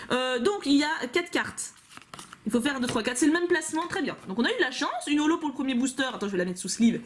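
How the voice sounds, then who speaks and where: A playful, chatty woman, casually commenting and joking as she opens card packs. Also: sits high. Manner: playful, chatty, giggly, jokes to herself. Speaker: YouTuber opening trading card packs. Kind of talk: casual commentary while unboxing.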